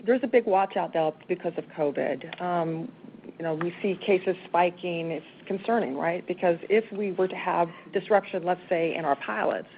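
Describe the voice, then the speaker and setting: A woman's voice: on the low side, moderate pace, gravelly. A woman executive giving emphatic, businesslike answers on an earnings conference call. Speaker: company executive. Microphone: conference call line. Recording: narrowband phone line, faint noise.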